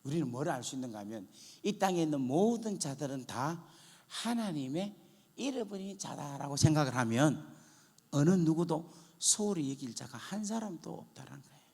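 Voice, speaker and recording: A male pastor preaching a testimony sermon, acting out prayers and conversations, dropping to a hush and then rising to loud cries. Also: on the high side, big pitch swings, normal speed, husky, in a large hall. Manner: dramatic, acts out prayers and dialogue, swings from hushed to loud. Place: church sanctuary.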